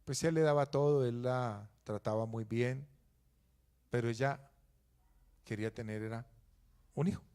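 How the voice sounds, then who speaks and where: A man preaching a sermon, swinging from loud emphatic peaks to quiet, low asides. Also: a little slow, long pauses, clean tone. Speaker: pastor.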